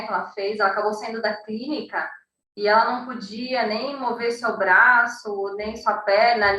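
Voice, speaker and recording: A woman hosting a live chat, warmly affirming her guest with frequent fillers and translating testimonies. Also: mid-range voice, reverberant, recorded from a distance, a little hiss or hum, low-quality recording. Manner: encouraging, lots of affirming fillers. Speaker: host.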